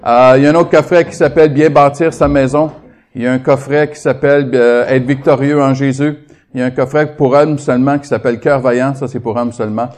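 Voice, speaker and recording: A man's voice: medium pitch, fairly even intonation, brisk, darkish tone. A man in his fifties from Quebec with a Québécois accent, preaching as a guest with a chatty, joking manner. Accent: Québécois French. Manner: humorous, chatty, joking with the congregation. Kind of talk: sermon.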